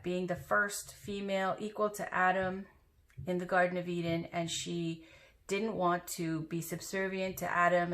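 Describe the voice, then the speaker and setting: A woman giving a casual, chatty tarot reading to her viewers, with loose asides and fillers. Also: on the low side. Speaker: tarot reader.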